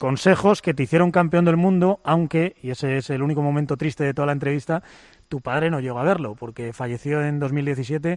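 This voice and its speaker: A man uses an ordinary speaking voice at a fairly quick pace. Ordinary pitch variation marks his fairly high pitch. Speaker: sports podcast host. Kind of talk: interview. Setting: training gym.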